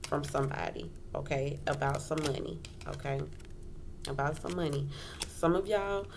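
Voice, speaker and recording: A woman giving a casual tarot reading as host, talking informally, repeating phrases and checking in often. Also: low-pitched. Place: indoors at a wooden table. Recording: clearly noisy home recording.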